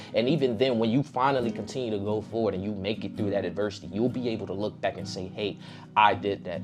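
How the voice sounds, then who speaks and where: Over background music, a man with a fairly low pitch speaks at a very fast pace with ordinary pitch variation. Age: 20s. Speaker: army veteran; motivational YouTuber. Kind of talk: motivational talk to camera. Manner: casual, conversational.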